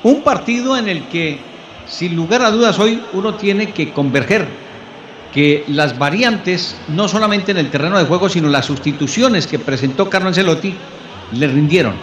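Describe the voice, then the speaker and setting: A man hosts sports radio in a slightly high voice. His phrasing is formal and wordy, with roomy sound and faint music behind him. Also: lively intonation, moderate pace. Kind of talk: radio sports presentation and analysis.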